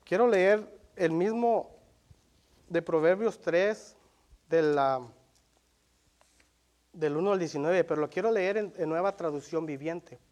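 A man preaching a sermon in Spanish, earnest and repetitive, often checking in with listeners and reading Bible verses aloud slowly. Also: on the high side, darkish tone. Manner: earnest, repeats himself, asks the congregation "¿verdad?". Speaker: lay preacher.

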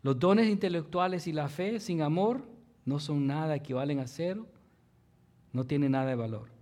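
Man, pastor preaching, slightly high voice, rhetorical questions, loud then hushed. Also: moderate pace. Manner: swings from loud emphasis to soft near-whispers. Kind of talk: sermon.

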